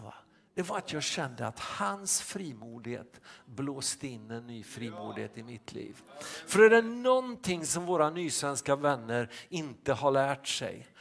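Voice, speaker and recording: Gravelly-voiced pastor telling a story. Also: male voice, mid-range voice, a bit bright. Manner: halting, many restarts and fillers. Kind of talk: sermon anecdote.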